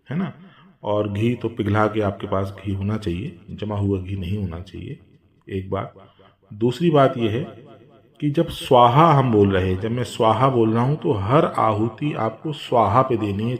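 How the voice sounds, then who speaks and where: A man patiently explaining a home fire ritual step by step, with drawn-out chanted mantras. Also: fairly low pitch. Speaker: religious instructor.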